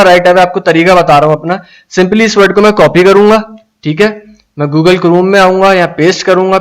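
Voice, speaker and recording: Slow-reading man teaching English. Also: high-pitched, low-quality recording. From Pakistan. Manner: slow, deliberate reading of English phrases, then explaining in Urdu; reads viewers' comments aloud. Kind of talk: live-streamed English lesson in Urdu.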